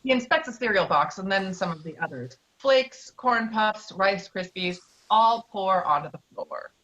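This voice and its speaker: Bright-voiced woman narrating a screenplay. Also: mid-range voice, expressive, unhurried, dull audio. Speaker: narrator reading stage directions. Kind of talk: scripted narration, screenplay table read.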